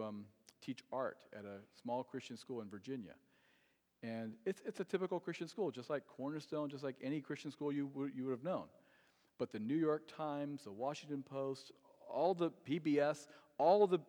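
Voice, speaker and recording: A man preaching a sermon as pastor, earnest and rising to loud, emphatic stretches. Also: mid-range voice. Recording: long reverb in a large hall.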